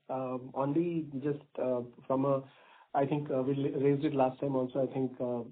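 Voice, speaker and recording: A man with a husky voice, making polite, hesitant remarks as an investor on a conference call. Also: mid-range voice, slight background noise. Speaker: investor asking questions. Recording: muffled narrow phone line.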